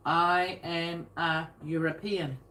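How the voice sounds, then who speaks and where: A woman, chatting at a family dinner table and gently prompting a child what to say. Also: lowish voice, steady tone, slow. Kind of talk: casual family chat. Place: home dinner table, indoors. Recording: roomy, distant, noisy home video.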